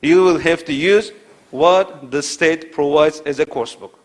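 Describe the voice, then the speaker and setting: Male academic speaker, fairly high voice, lecturing in an auditorium, rhetorical, keeps checking in with listeners. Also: unhurried. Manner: rhetorical, checks in with "right?" and "you see". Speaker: conference speaker.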